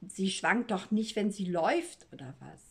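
A woman's voice: medium pitch, animated, moderate pace, gravelly, darkish tone, breathy edge. A woman voicing a practical older woman friend in a spoken story, talking plainly with frequent hesitations. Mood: dismissive. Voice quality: plain conversational voice with many fillers.

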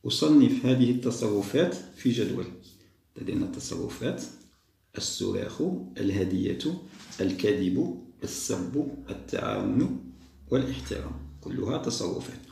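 Gravelly low-voiced man teaching young kids. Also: animated, a little mellow, reverberant. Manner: slow, patient, repeats each answer. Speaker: teacher solving a school test. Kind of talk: step-by-step lesson for young children.

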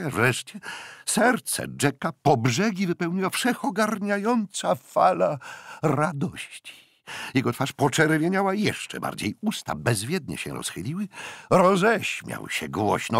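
A man narrating an audiobook with an expressive, dramatic reading. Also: medium pitch, vocal fry, breathy edge, no room sound, studio quality. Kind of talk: scripted narration. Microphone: studio microphone.

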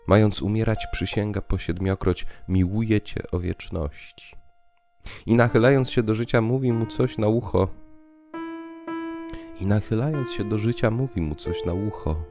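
A man giving solemn, measured dramatic narration of a literary audiobook. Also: fairly low pitch, music in the background. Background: quiet musical underscore.

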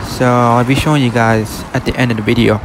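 A man's voice: medium pitch, fairly even intonation, brisk, rough recording. A man narrating a casual walkthrough vlog outside a closed shop, filming on a handheld phone with plain, simple remarks. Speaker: retail exploration vlogger. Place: outdoors on a city street by a closed shop. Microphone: handheld phone camera. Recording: faint outdoor street noise. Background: faint street and car noise.

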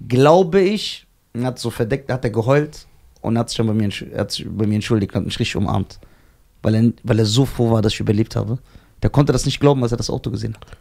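Gravelly-voiced animated young German man. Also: medium pitch. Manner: animated storyteller, acts out voices, laughs at himself. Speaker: podcast co-host. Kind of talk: casual storytelling chat.

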